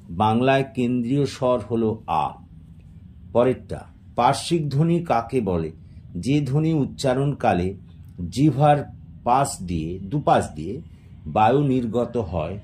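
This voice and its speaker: A male teacher reading out exam questions and their answers in a steady question-and-answer dictation. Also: mid-range voice, a little hiss or hum.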